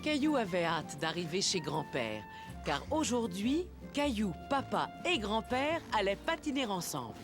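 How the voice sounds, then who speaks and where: Gentle cartoon narrator, scripted storytelling, animated melody in the voice, middle pitch, music behind. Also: female voice, measured pace. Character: gentle storybook narrator of a small boy's day. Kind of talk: French-language scripted children's story narration.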